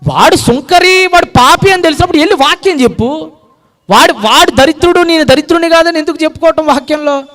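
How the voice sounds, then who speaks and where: A man preaching a sermon, animated, shifting between loud emphasis and hushed quoted prayers. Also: extremely high pitch, fairly quick. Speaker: pastor.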